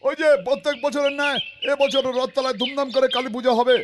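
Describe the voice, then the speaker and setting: High-pitched wheedling cartoon villager. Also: male voice, little pitch movement, fast talker, noisy background. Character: wheedling, easily flustered village man seeking donations. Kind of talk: cartoon character acting. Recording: music bed behind the voice.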